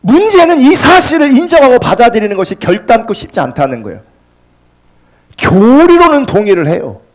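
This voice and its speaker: A male pastor preaching a sermon with passion, swinging between loud, urgent peaks and hushed, quiet lines. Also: very high-pitched, wildly swooping pitch, fairly quick.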